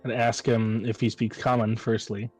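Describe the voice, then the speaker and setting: A man's voice: mid-range voice, flat delivery, normal speed, darkish tone, husky. A man playing a tabletop game, chatting casually and thinking aloud about his moves. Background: background music.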